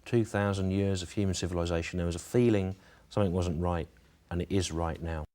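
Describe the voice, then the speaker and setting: A man's voice: deep voice, steady tone, brisk, mellow. A man from the Midlands being interviewed, answering in a dry, hesitant, mock-earnest way. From English Midlands. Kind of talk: deadpan comic interview.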